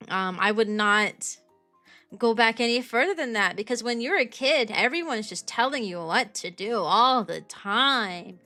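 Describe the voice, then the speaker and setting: Chatty young woman with a high, bright voice. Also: animated, unhurried, soft background music. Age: mid-twenties. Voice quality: high-pitched, youthful-sounding voice. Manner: rambling and chatty, with many ums, likes and restarts. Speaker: VTuber streamer and kindergarten teacher. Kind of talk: casual chat with stream viewers.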